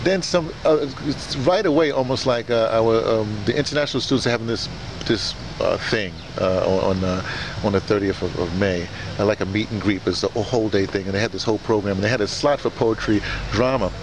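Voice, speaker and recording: A man interviewing casually, speaking in a halting way and often repeating words and phrases. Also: on the low side. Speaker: interviewer, audio dramatist. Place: outdoors in a courtyard beside a building. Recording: noisy outdoor recording, urban traffic ambience.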